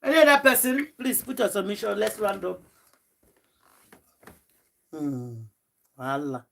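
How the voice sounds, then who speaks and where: A man's voice: sits high, sing-song, a little slow, gravelly, fairly bright tone. A man with a Nigerian accent hosting a casual chat, chiming in with short remarks. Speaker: host.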